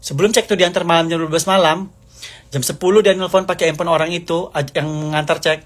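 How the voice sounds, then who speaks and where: A man's voice: a little high, steady tone, fast. A man delivering an angry, accusing rant to the camera, hammering the same points over and over. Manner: heated, accusing, repetitive.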